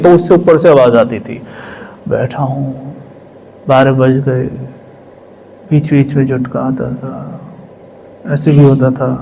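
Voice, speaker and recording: A man's voice: medium pitch, a little hiss or hum, poor audio. Man telling a spiritual testimony. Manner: storytelling with dramatic pauses, repetitions and shifts between hushed and excited. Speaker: spiritual community member sharing his experience. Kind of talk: emotional personal testimony.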